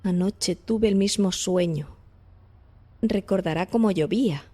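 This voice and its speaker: An actress playing a frightened young artist's model haunted by dreams, earnest and insistent, in a dramatized audiobook. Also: female voice, mid-range voice, a little slow, dark tone, lightly acted. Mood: haunted, recounting. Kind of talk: dramatized audiobook acting in Spanish.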